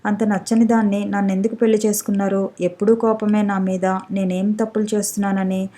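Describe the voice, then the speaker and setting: A woman's voice: medium pitch, little pitch movement, brisk, dark tone, close to an everyday voice. A woman reading as a hurt young wife who speaks reproachfully through tears, in a spoken storybook. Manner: reproachful, tearful.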